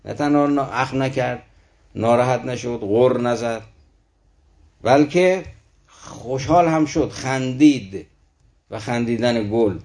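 A man giving a spiritual lecture on verses, reciting lines slowly and then explaining them earnestly to his listeners. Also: medium pitch, darkish tone. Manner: earnest, speaks straight to the listeners. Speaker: lecturer on Rumi's poetry.

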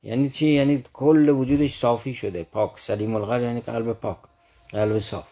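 A man explaining classical poetry in conversation, earnest and patient. He recites verse slowly and then unpacks each line. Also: medium pitch, steady tone, warm tone. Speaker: literature commentator.

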